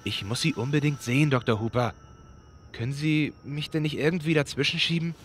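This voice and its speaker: An actor playing an anxious, desperate doctor in an audio drama, hesitant and pleading. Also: male voice, on the high side, a little fast, natural voice. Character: anxious, desperate male doctor seeking help. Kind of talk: German audio drama acting. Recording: faint music behind the voice.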